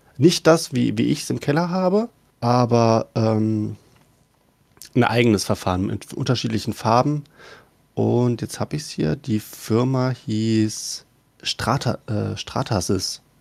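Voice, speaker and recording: With lively intonation, a man speaks at a very slow pace, leaving long, frequent pauses. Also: medium pitch for a man. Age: young. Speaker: podcast co-host, hobby 3D printing fan. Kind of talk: casual chat, trade fair report. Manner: hesitant, many fillers and repetitions.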